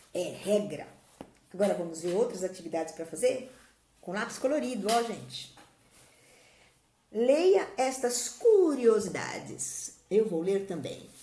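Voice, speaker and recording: A woman's voice: medium pitch, dark tone, roomy sound, slight background noise. A woman teacher with a Brazilian Portuguese accent, patiently going through spelling rules step by step in a recorded remote lesson.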